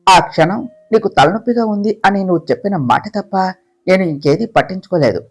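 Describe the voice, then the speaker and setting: A storyteller voicing a shy, loving young wife in an audiobook romance, speaking softly and pleadingly. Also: medium pitch, animated, a little fast, faint music behind.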